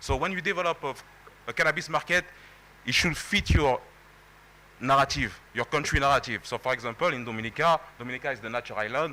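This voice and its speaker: Fairly high-pitched male speech at a very fast pace, ordinary pitch variation, and long, frequent pauses. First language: not English. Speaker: cannabis organization executive. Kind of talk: conference speech. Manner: interactive, engaging audience.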